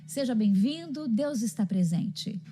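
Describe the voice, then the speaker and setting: A Brazilian woman hosting a religious programme, speaking in a measured, formal, courteous way as she presents and reads out questions. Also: fairly high pitch, animated, dark tone. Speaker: programme host.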